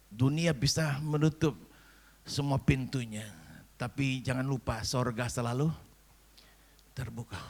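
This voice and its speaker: A man of sixty, a pastor preaching a sermon and telling a family story with acted-out dialogue and rising emphasis. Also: medium pitch. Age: 60s.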